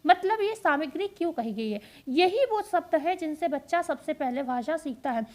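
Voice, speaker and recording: Woman teacher doing exam prep lecture, pretty high voice, asks a question then answers it herself. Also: expressive, normal speed, darkish tone. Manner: explains step by step, repeating key points as questions and answers.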